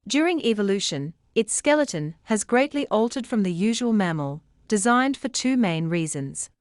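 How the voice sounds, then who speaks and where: A woman reads an informational passage aloud in a scripted, instructional style. Her pitch is average for a female voice, and the sound is dry with no echo. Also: big pitch swings, normal speed. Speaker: read-aloud example reader. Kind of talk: scripted exam passage reading.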